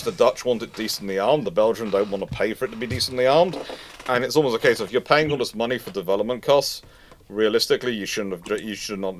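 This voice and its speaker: A man's voice: fairly low pitch, slight background noise. Man, rambling live commentary. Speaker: host of a live naval history question stream.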